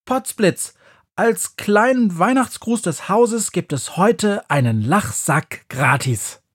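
A man's voice: expressive, slow, husky, no echo, clean studio sound, exaggerated voice. A man voicing a bossy, scolding little witch who hisses and nags at her brother. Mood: rousing. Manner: hissing, scolding, shrill.

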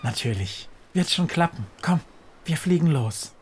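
A man's voice: on the high side, animated, unhurried, slight background noise, voice pushed up. Befana, a man voicing a commanding witch. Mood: calm. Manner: commanding, calls out over a storm. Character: bold old witch on a broomstick. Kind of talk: storybook voice acting.

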